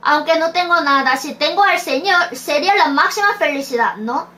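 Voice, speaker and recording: A woman's voice: sits high, moderate pace, bright, forceful tone. A woman preaching a sermon, reading scripture verses aloud and asking rhetorical questions. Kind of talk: slow sermon.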